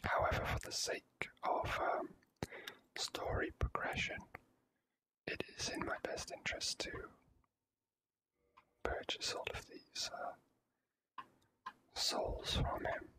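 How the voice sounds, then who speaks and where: A whispering host giving ASMR commentary on a video game playthrough, hesitant and measured, with formal wording. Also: poor audio.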